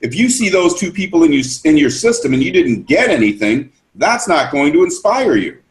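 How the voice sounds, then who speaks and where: A man's voice: on the high side, very animated, moderate pace. A man explaining a business system on a group call, enthusiastic and repetitive, restarting his sentences often.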